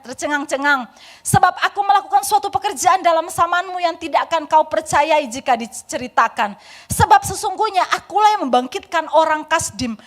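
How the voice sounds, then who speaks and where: A high-voiced woman pastor in her forties delivers a sermon in a church. She is animated, rising to loud pleas and then dropping to a soft, confiding tone. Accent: Indonesian. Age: 40s. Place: church sanctuary.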